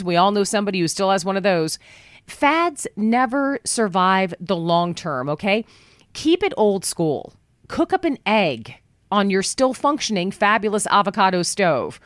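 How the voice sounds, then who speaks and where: A woman hosting a talk radio show from a studio, chatting in a folksy, upbeat way, her voice worn low after travel. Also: no room sound. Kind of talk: talk radio monologue with live ad reads. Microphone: studio microphone.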